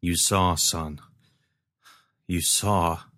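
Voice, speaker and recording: Deep stern old dad, as the narrator puts him on, slow commanding lines. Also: male voice, fairly even intonation, sharp tone, heavily acted. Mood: earnest. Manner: solemn, commanding, measured. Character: stern father, older man, patient mentor.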